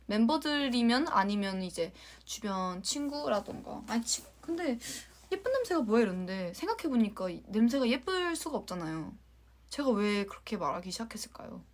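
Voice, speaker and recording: A young woman from Jeonju with a light Jeolla accent, chatting casually with fans on a livestream, giggling and sometimes dropping into a soft whisper. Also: on the high side. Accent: light Jeolla Korean. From Jeonju, Korea. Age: young adult. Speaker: idol livestream host.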